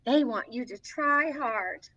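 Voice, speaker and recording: In a gentle, cheerful mood, a woman takes on the role of Snow White, a sweet and encouraging young princess, reading a picture book aloud for children's story time with sing-song, reassuring delivery. She speaks slowly in a high, fairly bright voice that is heavily acted. Captured from a distance, the sound is slightly dull.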